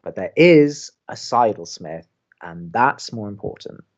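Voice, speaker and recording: A sardonic young college radio co-host acted by a man in an audio drama. He is dry and protective, with a very mobile pitch, and the sound is a little dull. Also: lively intonation, unhurried. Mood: dry, wry. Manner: dry, sarcastic.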